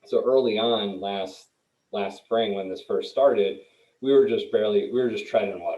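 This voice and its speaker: A man in a Philadelphia accent. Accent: Philadelphia-area American. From US Northeast, South Jersey. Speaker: author and alumnus presenter. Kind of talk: webinar presentation. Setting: video webinar. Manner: hesitant, many fillers.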